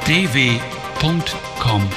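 Slow announcer over loud music. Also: male voice, mid-range voice, expressive. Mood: emphatic. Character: slogan-reading male programme announcer. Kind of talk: scripted promo outro.

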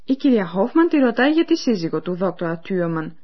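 A woman presenting a radio language course, explaining clearly and speaking to listeners in scripted educational narration. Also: medium pitch, very animated. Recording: dull lo-fi radio recording.

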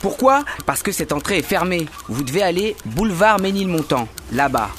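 A man's voice: sits high, very animated, moderate pace, fairly bright tone, slight background noise. An actor playing a firm, polite male night watchman, matter-of-fact and formal, in a language-learning radio drama.

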